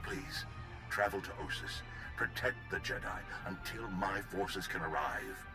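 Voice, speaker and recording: A grave military general with a low, steady voice, urging an ally into action. He speaks in measured, serious tones over an orchestral game score. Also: over music. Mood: urgent. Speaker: Republic general. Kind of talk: video game cutscene dialogue.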